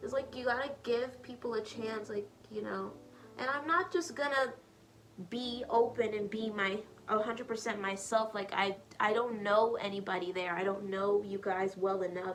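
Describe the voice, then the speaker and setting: Soft-spoken and fairly high-pitched, a woman talks at a moderate pace. There is noticeable background noise. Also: ordinary pitch variation. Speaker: beauty vlogger. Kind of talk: casual chat.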